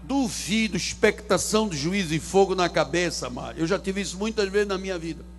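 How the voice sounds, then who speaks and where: A man pastor, preaching a sermon from the pulpit with theatrical swings between loud and hushed delivery. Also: sits high, brisk, slight background noise. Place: church sanctuary.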